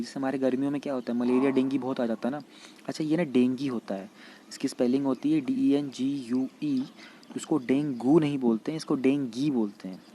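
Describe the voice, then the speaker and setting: A man gives an exam-prep lecture mixing Hindi and English, reading English passages slowly and then explaining them in Hindi. His mid-range voice has a dark tone, with a little hiss or hum in the recording.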